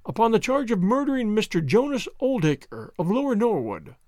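A desperate young gentleman, voiced by a man reading a storybook, his voice climbing high and loud with panic. He pleads in urgent, breathless bursts. The delivery is close and dry. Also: huge pitch swings, moderate pace, dry recording. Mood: frantic pleading. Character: frantic pale young male solicitor, desperate.

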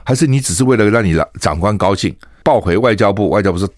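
A man's voice: fairly low pitch, fast, no room sound, studio quality. Older man hosting a radio talk show. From Taiwan. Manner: lively, scolding rhetorical questions. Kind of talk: opinionated radio commentary. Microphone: studio microphone.

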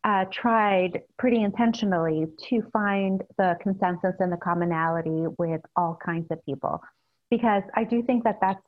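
A woman speaks over a tinny phone line, her voice at a middle pitch. She answers in an earnest, casual way, with plenty of fillers and small laughs. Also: normal speed. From El Salvador. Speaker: newly elected city supervisor.

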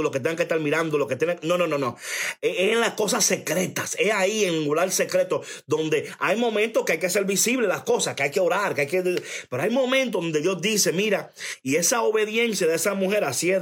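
Emphatic preacher man, fairly high voice. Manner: emphatic, repeats phrases, calls for attention; reads chat comments aloud. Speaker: preacher on a live stream. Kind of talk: sermon-style testimony.

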